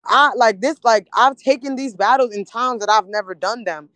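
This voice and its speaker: A woman's voice: on the high side, normal speed, a bit bright, no echo. A woman battle rapper, a podcast guest, talking in casual chat and repeating phrases to drive her points home.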